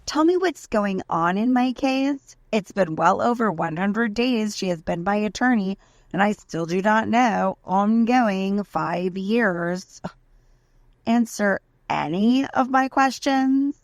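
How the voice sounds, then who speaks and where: A woman's voice: medium pitch, dry recording. A woman giving a dramatic reading as an aggrieved, desperate defendant, indignant and emphatic as she pleads her case in a letter. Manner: indignant, emphatic, deliberate list-like delivery.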